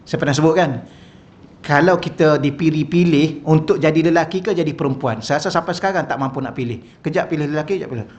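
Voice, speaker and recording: Speaking through a wireless microphone, this man delivers a light-hearted, conversational religious talk in a mosque hall and keeps quizzing his listeners. He has a Malaysian Malay accent and a somewhat high, fast, slightly mellow voice. The audio lacks top end and carries faint hiss or hum.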